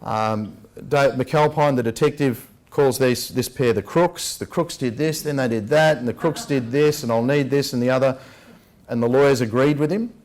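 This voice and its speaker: An Australian man delivering an investigative lecture in an emphatic, rhetorical manner, leaning on key words with deliberate stress. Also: medium pitch, darkish tone. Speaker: public speaker, lecturer. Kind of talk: public address, investigative lecture. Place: public talk at a venue.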